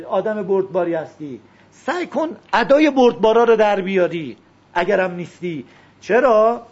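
A man giving a classroom lecture, explaining a text and slowly repeating words to show how to pronounce them. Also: high voice, husky, muffled recording. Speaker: teacher.

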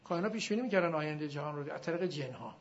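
High-voiced man teaching a class. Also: animated, a little hiss or hum. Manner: drills students, draws out example words slowly. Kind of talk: classroom grammar lesson. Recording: dull lo-fi recording.

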